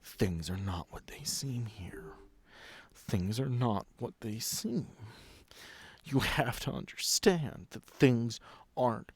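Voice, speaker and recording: A man voicing a disturbed female asylum patient in a tabletop horror game, slow and ominous, moving between breathy whispers and frantic cries. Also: mid-range voice, lively intonation, pitched above the performer's own voice, exaggerated voice. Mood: cryptic, hushed. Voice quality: breathy hushed whisper rising to loud cries.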